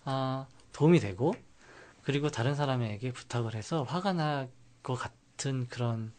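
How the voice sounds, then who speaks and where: A middle-aged man, a pastor and family counselor, explaining calmly on a radio talk show with many fillers. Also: medium pitch, normal speed. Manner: calm explaining, with many fillers and English loanwords.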